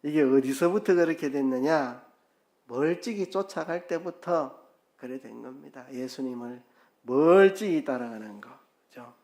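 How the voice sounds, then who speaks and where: Pastor telling a story with acted voices. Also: male voice, medium pitch, animated, a little slow. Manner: storytelling with acted-out quotes, swinging loud and soft. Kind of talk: sermon. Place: church sanctuary.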